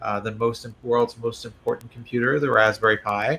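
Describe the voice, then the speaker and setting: A man is speaking. His tone is bright and sharp. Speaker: tech journalist and co-host. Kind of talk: casual chat. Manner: halting, many fillers.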